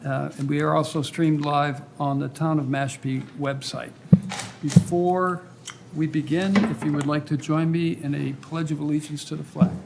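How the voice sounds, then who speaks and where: Male meeting chair, semi-formal, slightly high and creaky, recorded in a meeting room with faint noise. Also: level tone, moderate pace. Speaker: commission chair. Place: town hall meeting room.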